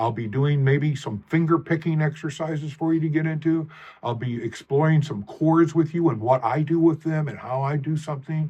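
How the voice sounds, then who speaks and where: With hardly any pauses, a man speaks at a moderate pace in a somewhat breathy, dark, mellow voice, fairly high in pitch and with ordinary pitch variation. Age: old. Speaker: guitar teacher. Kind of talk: casual talk to camera.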